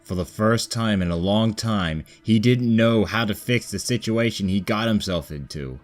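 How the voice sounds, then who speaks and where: A man's voice: fairly low pitch, moderate pace. A man narrating scripted comedic fan fiction as a storyteller, with music behind him. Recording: background music under the voice.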